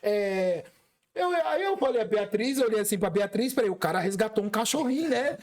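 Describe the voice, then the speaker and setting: Homem de voz aguda e brincalhona. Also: male voice, high voice, brisk. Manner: joking, teasing, animated. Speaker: podcast host. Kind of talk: casual interview chat.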